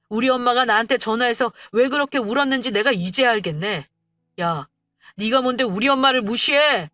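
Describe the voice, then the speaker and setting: 여성이 연기하는 성질 급한 남편이 언성을 높여 몰아붙입니다. 억양이 크게 요동치고, 음악이 흐르는 건조한 녹음입니다. 자기 엄마 편만 드는 젊은 남자입니다. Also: female voice, a little high, no room sound, clean studio sound. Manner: shouting, accusing. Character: hot-tempered young husband, a mama's boy.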